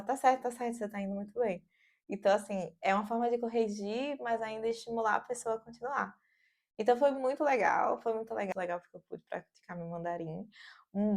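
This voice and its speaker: Brazilian woman, thirties, casual vlog chat, animated and chatty, mid-pitched voice. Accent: Brazilian Portuguese. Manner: chatty and animated, lots of fillers. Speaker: vlogger. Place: home office.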